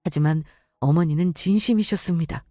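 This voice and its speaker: A woman's voice: lowish voice, fairly quick, warm tone, dry recording, studio quality, faint music behind. A young woman narrating her own story in an indignant, confiding way. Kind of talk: scripted first-person story narration.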